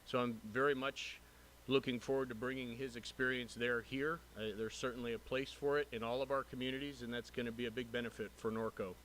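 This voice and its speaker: Bright-voiced man giving formal council remarks. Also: medium pitch, fairly even intonation, fairly quick, poor audio. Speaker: police captain introducing a new lieutenant. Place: city council chamber. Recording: noticeable background noise, room ambience.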